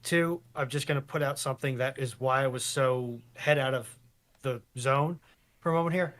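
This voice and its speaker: A man from the United States co-hosting a live stream, casually explaining technical matters in a halting, deliberate way. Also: mid-range voice, a bit bright.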